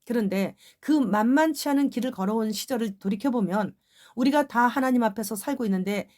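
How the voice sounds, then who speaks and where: A woman's voice: a little high, a little mellow. A middle-aged woman pastor giving a testimonial sermon in a conversational way, with rhetorical questions to the congregation.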